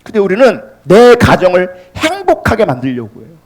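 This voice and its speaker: A male pastor preaching a sermon with passion, swinging between loud, urgent peaks and hushed, quiet lines. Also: high voice, wildly swooping pitch, moderate pace.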